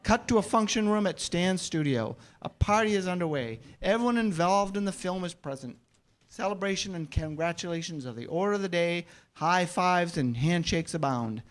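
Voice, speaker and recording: A man's voice: high voice, animated, normal speed. A man serves as narrator for a staged reading. He delivers scripted scene descriptions and stage directions in the present tense.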